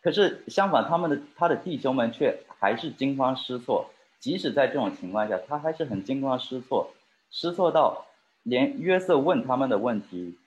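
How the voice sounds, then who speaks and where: A man preaching a sermon and talking straight to his congregation, asking them questions and drawing them in. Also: mid-range voice. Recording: roomy, dull lo-fi recording.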